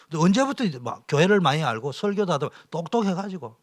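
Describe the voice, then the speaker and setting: Emotional pastor, lively pitch. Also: male voice, fast talker. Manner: emotional, swings from loud exhortation to whispers. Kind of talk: sermon-style training lecture.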